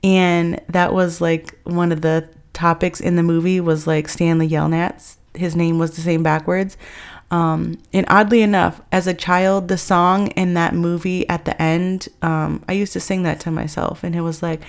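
A woman's voice: lowish voice, little pitch movement, unhurried, creaky, clear, resonant tone. An American woman talking casually in a chatty, rambling, conversational vlog voice-over. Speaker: vlogger.

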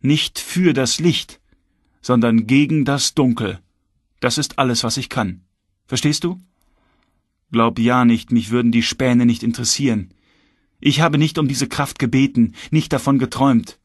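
A man's voice: mid-range voice, measured pace, no echo, clean studio sound, lightly acted. A man voicing a cold, uncompromising young male magician who speaks with stern, unwavering conviction. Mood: low intense.

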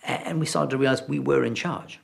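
A man's voice: mid-range voice, brisk, vocal fry, slight background noise. A middle-aged man, a guitarist, earnestly recounting a personal experience in an interview, with small restarts. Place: indoor room with bookshelves. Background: loud music score.

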